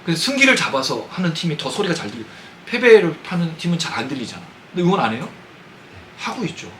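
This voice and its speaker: A man's voice: a little high, very animated, quick pace, a bit bright, slight background noise, poor audio. A man preaching a Sunday sermon, talking conversationally and asking his congregation questions. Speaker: pastor. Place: church sanctuary.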